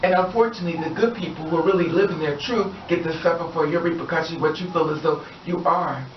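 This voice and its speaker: A fast-talking woman with a lowish voice delivers a casual vlog monologue of opinions, emphatic, repetitive and encouraging in a preachy way. The audio is lo-fi, dull, distant and roomy, carrying a little hiss or hum.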